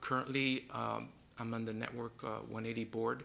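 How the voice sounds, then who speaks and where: This man has a Spanish accent. He talks at an unhurried but not slow speed. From US Midwest, inner-city Chicago. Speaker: school board candidate, educator and former pastor. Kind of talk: interview answers at public board meeting. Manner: halting, many fillers.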